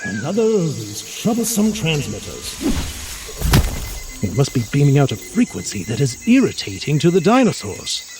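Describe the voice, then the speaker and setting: A man's voice: fairly high pitch, huge pitch swings, normal speed, music in the background. A man playing an erudite, genial mutant scientist in an audio drama, speaking in a florid, pompous, theatrical manner with bookish words. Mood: concerned, puzzled. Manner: florid, pompous, bookish vocabulary with emphatic delivery. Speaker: scientist guide.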